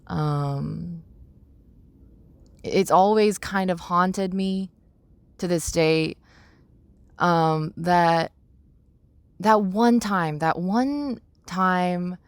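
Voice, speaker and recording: Slow, creaky-voiced young woman. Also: fairly low pitch, no room sound. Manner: halting, searching for words, with repeated phrases. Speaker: podcast host. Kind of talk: reflective personal monologue.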